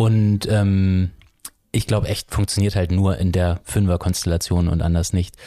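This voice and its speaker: A man speaks at a very deep, low pitch in a dark, mellow tone and a monotone, flat intonation. His loudness stays very even at a fairly slow pace. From northern Germany, Flensburg. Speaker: former pop musician. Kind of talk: casual interview.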